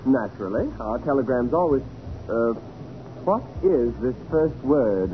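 A man acts as a chatty, fussy clerk in 1940s radio drama. His voice is mid-pitched and hesitant. The recording is muffled with clear noise. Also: animated, measured pace, close to an everyday voice. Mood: genial, puzzled. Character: genial, fussy male telegraph clerk.

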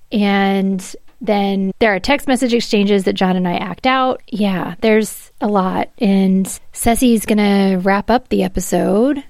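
A woman's voice: medium pitch, a little mellow, no room sound, studio quality. A woman co-hosting a podcast, chatting casually as she introduces material. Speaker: podcast co-host. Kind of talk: casual chat.

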